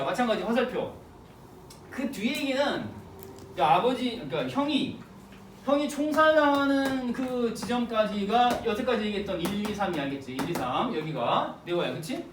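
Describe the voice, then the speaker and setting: A Korean literature teacher giving an exam prep lecture, colloquial, repeating phrases and quizzing the students. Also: medium pitch. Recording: roomy, distant mic, faint noise.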